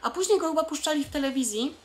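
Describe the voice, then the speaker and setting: A young woman with a high voice chats her way through a casual vlog explanation. She sounds lively and talkative and fills her pauses with little hesitation sounds. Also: a little hiss or hum. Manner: chatty, lively, many filler sounds. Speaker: vlogger explaining Japanese.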